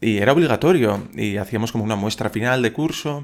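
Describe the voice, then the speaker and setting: A man with a normal speaking voice talks at a fairly quick pace and medium pitch with lively intonation, on a very clean recording with a silent background. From Basque Country, Durango. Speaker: actor. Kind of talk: interview. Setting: film festival.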